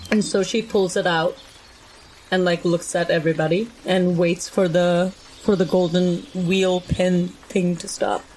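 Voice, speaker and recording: A woman playing a tabletop role-playing game, describing her character in a casual, expressive, improvised way. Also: on the low side, measured pace, a little hiss or hum, rough recording.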